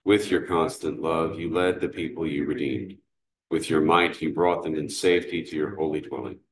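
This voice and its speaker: A man leading morning prayer as a priest, reciting psalms, canticles and the creed in a measured, steady way, recorded from a distance in a large cathedral. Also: rumbling low. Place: large cathedral sanctuary, indoors. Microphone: far camera. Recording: echoey cathedral room sound.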